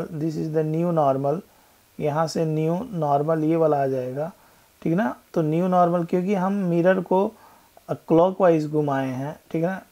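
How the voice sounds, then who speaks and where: A man tutoring physics over a screen recording, laying out each step of a problem with patience. His voice is mellow and dark, and he speaks at a slow, unhurried pace, often slowing further to read the question aloud. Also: fairly high pitch. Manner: explains step by step, mixing Hindi with English, rereads question text slowly. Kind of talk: whiteboard exam-problem walkthrough.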